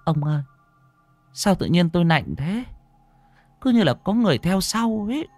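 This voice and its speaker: Storytelling: man putting on a nervous, high-pitched old village woman. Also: sing-song, normal speed, a little mellow, no room sound, soft background music. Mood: scared. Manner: anxious, rising whine. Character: frightened older village woman clutching her husband.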